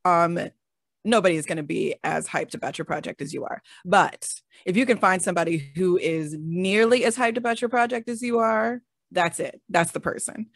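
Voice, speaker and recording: Lively lower-voiced woman guest. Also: moderate pace, no echo, clean studio sound. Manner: energetic, laughs often. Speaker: audio drama creator, panel guest. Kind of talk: casual panel discussion.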